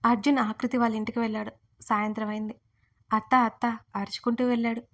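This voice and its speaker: A woman narrating an audio story in a calm, even storytelling voice. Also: a little high, fast talker.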